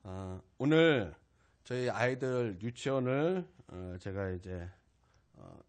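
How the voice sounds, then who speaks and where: A male pastor preaching a weekday sermon, telling a personal story in an animated way. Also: mid-range voice, slow, clear, resonant tone. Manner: animated storytelling, acts out his own angry outburst. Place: small church service.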